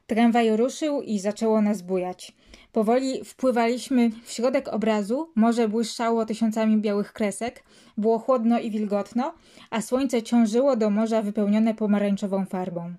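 A woman with a higher voice and a mellow, warm tone reads a literary passage aloud. She then reflects on it in a hesitant way, using many fillers and pauses. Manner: hesitant commentary full of fillers. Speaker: reader and commentator.

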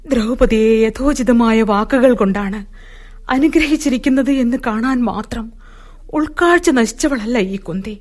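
A sorrowful, humble queen, weary and wronged, speaking in formal, mournful phrases. Her fairly high voice has a husky, breathy edge, and faint music sits behind it in this radio play. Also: darkish tone. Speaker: radio drama actor. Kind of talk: classic radio drama acting.

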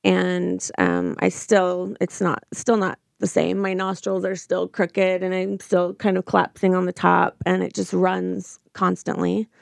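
A woman giving a personal account in an interview. Her voice has a lot of vocal fry and sounds close and dry. She talks informally and haltingly, restarting phrases as she goes. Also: on the low side, level tone, no room sound. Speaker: interview guest.

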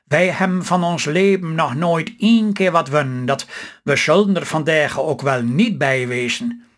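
A man with a Stellingwerfs accent voicing a gruff, doubtful older farmer in a read-aloud story. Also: fairly high pitch, unhurried, fairly bright tone. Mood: grumbling. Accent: Stellingwerfs Low Saxon. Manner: grumbling, doubtful.

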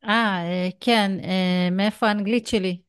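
A woman's voice: medium pitch, fairly even intonation, smooth, no room sound, studio quality. A woman with an Israeli accent hosting a conversational podcast interview. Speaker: podcast host.

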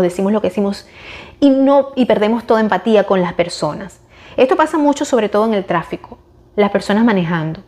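A woman's voice: mid-range voice, a little mellow. A woman hosting a podcast and YouTube channel, speaking in an earnest, long-winded, explanatory way in a reflective personal monologue. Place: lives in the United States.

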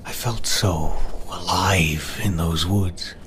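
An actor playing a haunted, weary male adventurer in a horror audio drama, with a halting, brooding manner. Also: deep voice, background noise.

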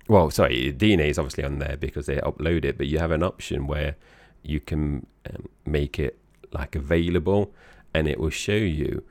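A man's voice: a bass voice, vocal fry, a little mellow, dry recording. A man with an Essex accent co-hosting a podcast in casual, chatty talk, often correcting himself as he goes. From Essex, England. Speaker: podcast co-host. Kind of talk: casual conversational podcast chat.

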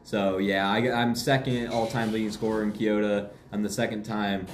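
A young man with a lowish voice gives casual interview answers. He sounds confident and matter-of-fact, like a school athlete going over a season. The room is echoey, with faint noise behind him. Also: level tone, moderate pace. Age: young adult. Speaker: high school basketball player being interviewed. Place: indoor room with guests present.

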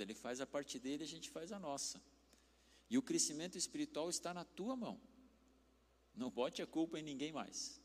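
Brazilian guy w german accent in his portuguese, preaching casually, big reverby hall. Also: medium pitch. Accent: German-influenced Brazilian Portuguese. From Curitiba, southern Brazil. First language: German as first language of literacy. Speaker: pastor. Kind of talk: conversational sermon with anecdotes.

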